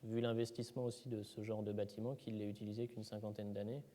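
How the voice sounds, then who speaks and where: A man's voice: on the low side, level tone, fast talker, dark tone. A man presenting excavation results at a seminar, hesitant, with many fillers and restarts. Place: lecture hall. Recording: reverberant lecture hall.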